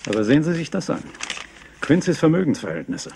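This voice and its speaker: A man's voice: a little high, sing-song, fairly quick, gravelly, dark tone, slight background noise. A man playing an efficient, businesslike police assistant giving reports in a German-dubbed crime drama. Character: efficient, matter-of-fact male police assistant.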